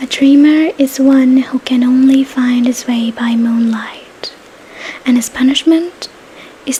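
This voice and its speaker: A soft-spoken, high-pitched woman's voice, very slow and monotone with flat intonation, over noticeable background noise. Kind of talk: ASMR book reading, fiction narration.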